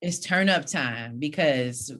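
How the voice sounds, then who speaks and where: Deep-voiced lively woman from Texas. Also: slow pace. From United States (Houston, Texas). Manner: lively, laughs easily, chatty asides to listeners. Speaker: guest, researcher and organizer. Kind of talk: casual podcast conversation.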